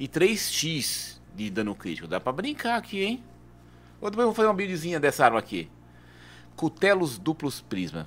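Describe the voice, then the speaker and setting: Delivered at a fairly slow pace, the speech has very wide pitch swings. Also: man. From Brazil. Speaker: gaming YouTuber. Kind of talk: casual gameplay commentary. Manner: animated.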